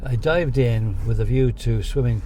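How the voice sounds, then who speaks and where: A man's voice: mid-range voice, normal speed. A man in his eighties with a Dublin Irish accent, reminiscing casually in a hesitant, rambling, agreeable way. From Dublin, Ireland. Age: 80s. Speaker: interviewee looking back on his life. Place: inside a moving car. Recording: noisy car interior, dull sound. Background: loud road and engine noise.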